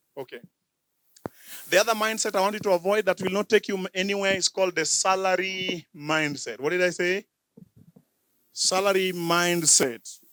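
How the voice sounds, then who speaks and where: At a moderate pace with long, frequent pauses, a man with a Kenyan accent speaks in a high, animated voice with ordinary pitch variation, the sound dry and close with no echo. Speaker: preacher. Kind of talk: sermon.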